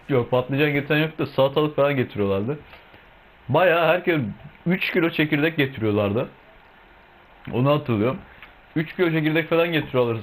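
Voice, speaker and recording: Young man, gameplay commentary, chatty, chewing while talking, swears a lot, average pitch. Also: slight background noise, rough recording. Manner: chatty and rambling, munching food while talking, swears freely. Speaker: gaming video host.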